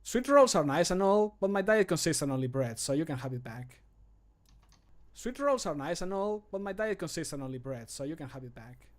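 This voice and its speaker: A man voicing a polite but dismissive video game character, measured, starting sing-song and falling away. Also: fairly high pitch, very animated. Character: game character politely turning down a sweet roll. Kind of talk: video game voice line acting.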